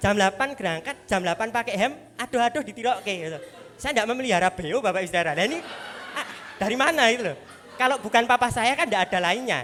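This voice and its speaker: A woman speaks very fast in a shrill, fairly high voice with lively intonation and an animated tone over noticeable background noise. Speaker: preacher. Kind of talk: sermon. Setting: church service.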